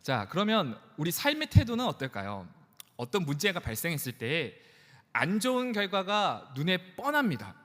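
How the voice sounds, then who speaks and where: A man's voice: high-pitched, wildly swooping pitch, moderate pace, fairly bright tone. A man in his thirties, a pastor preaching to young adults in a conversational, joking way, in a church. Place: church sanctuary. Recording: church hall reverb.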